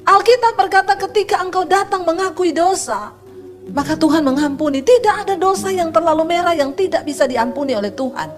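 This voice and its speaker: High-voiced woman pastor preaching. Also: fairly quick, soft background music. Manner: lively preaching with storytelling and humor. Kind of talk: sermon.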